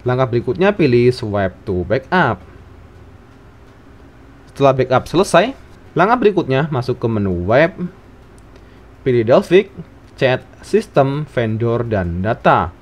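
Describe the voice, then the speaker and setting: A man's voice: medium pitch, very animated, measured pace, pauses often. A man narrating a scripted tech tutorial, giving instructions phrase by phrase.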